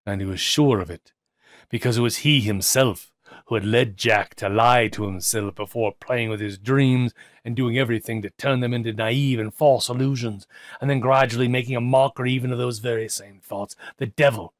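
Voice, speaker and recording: A man narrating an audiobook as dramatic literary storytelling, theatrical, with deliberate pauses and emphasis. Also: mid-range voice, fairly even intonation, no echo, clean studio sound.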